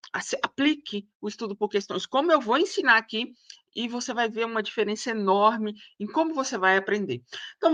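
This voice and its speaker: A woman teaching exam prep over a screen share, chatty and thinking out loud. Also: sits high. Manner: chatty, thinks aloud, keeps asking "tá?".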